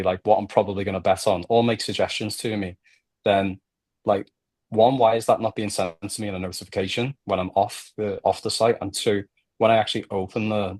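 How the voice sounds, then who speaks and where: Low-voiced man with a Liverpool accent. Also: a little mellow, no echo. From Liverpool, England. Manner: explanatory, often checks with "right?". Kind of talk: casual conversational podcast discussion.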